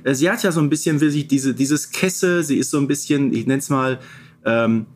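Man explaining things, mid-pitched voice. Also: normal speed, a little mellow. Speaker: podcast co-host. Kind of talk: casual podcast discussion.

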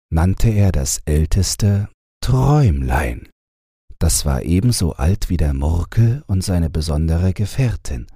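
Male audiobook narrator for bedtime tales. Dark, mellow tone, lively intonation, measured storytelling, close dry sound. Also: very deep voice, breathy edge, dry recording. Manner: measured, expressive storytelling with deliberate phrasing. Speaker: audiobook reader.

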